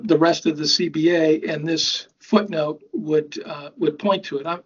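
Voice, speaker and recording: A man speaking in a formal bargaining meeting over a video call, measured and procedural. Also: on the high side, highs cut off. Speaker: university bargaining representative.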